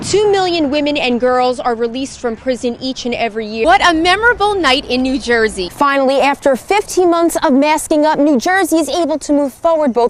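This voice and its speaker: A woman's high-pitched voice with lively intonation, over noticeable background noise. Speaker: TV news reporter. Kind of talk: news anchor read.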